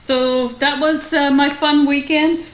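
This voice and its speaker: A woman with a slight Dutch accent speaks at a very slow pace amid noticeable background noise and audible room echo. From Netherlands. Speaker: vlogger with cancer diagnosis. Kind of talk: personal video diary. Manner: hesitant, many fillers.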